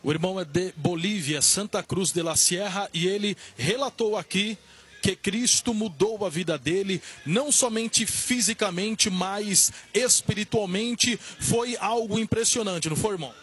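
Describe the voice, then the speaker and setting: A man's voice: sits high, measured pace, fairly bright tone, husky. A man reporting live for church radio from a temple entrance, fervent and proclaiming. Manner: fervent, proclaiming, sometimes sing-song. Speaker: church elder, field reporter.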